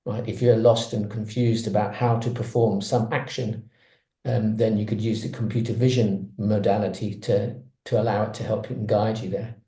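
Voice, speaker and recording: A man's voice: fairly low pitch, level tone, normal speed, mellow, roomy sound. A man speaking on a webinar panel, explaining ideas conversationally with examples over a video call.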